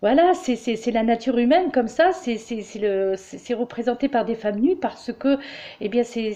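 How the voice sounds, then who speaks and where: Halting woman reading tarot, mellow lo-fi. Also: on the high side. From France. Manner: hesitant, many fillers and repeated restarts; addresses listeners warmly as dear friends. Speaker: tarot reader giving weekly guidance. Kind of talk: casual spiritual monologue to viewers.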